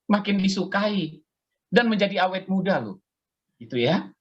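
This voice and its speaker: A man in his fifties delivers a conversational sermon, pausing often to ask his listeners to respond. His voice is slightly husky. The sound is dull and lo-fi, the way audio comes through an online meeting. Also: high voice, animated. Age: 50s. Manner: conversational, chatty preaching with audience call-and-response. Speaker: pastor.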